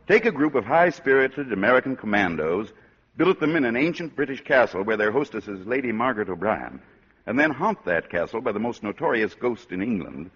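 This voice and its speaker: A man's voice: medium pitch, slightly rough. A man hosting a 1940s radio drama with genial, polished announcer patter. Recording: dull lo-fi 1940s radio broadcast.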